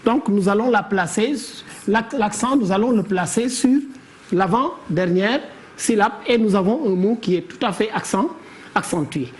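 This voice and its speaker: A woman's voice: mid-range voice, lively intonation, moderate pace. A woman teaching a classroom lesson on verse. She explains step by step and calls on pupils by name. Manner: didactic, questions pupils by name.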